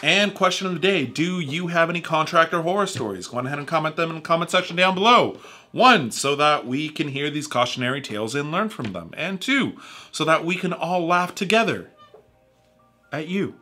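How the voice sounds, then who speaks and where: Male vlogger, 30s, bright lively delivery with big pitch swings, jokey; faint music bed. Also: a little fast. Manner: animated, jokey, gestures widely with his hands. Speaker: home renovation YouTuber. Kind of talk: scripted advice talk to camera. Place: small home studio room with posters.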